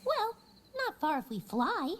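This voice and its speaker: Woman voicing a squeaky, excitable little cartoon bee boy. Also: measured pace, a crowd in the background. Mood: excited, eager. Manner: excitable, childlike. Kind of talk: cartoon audio drama acting. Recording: loud music behind the voice. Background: music.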